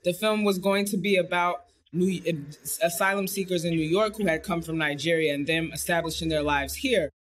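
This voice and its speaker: An American woman speaks as a guest director on a video call. Her voice is on the low side for a woman, and she tells personal stories in an animated, informal way. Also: moderate pace, hardly any pauses. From United States. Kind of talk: casual personal storytelling. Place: indoor room on a video call.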